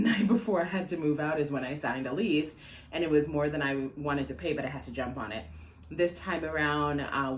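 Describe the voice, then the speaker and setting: A woman's voice: low-pitched, slight background noise. A woman whose first language is Jamaican Patois, chatting to a phone camera at home in a rambling vlog with many fillers and frequent laughs. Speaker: personal finance vlogger. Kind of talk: casual vlog talk to camera. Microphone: phone camera on tripod.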